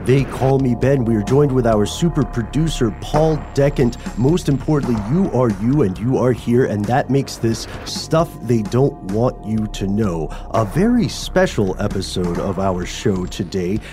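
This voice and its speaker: A man hosting a podcast in a conversational style, with measured, slightly formal and wordy phrasing. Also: medium pitch, animated, over music. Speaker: podcast host.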